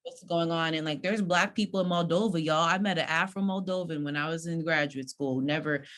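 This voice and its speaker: Woman from texas, really low voice, chatty and lively, laughs easy, podcast guest. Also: brisk. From United States (Houston, Texas). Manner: lively, laughs easily, chatty asides to listeners. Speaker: guest, researcher and organizer. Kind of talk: casual podcast conversation.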